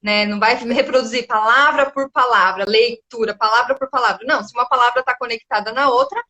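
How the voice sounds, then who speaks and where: A woman's voice: on the high side, a little fast, bright, forceful tone. A woman guest in a casual live chat, explaining patiently and often checking in with "né?". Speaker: guest educator.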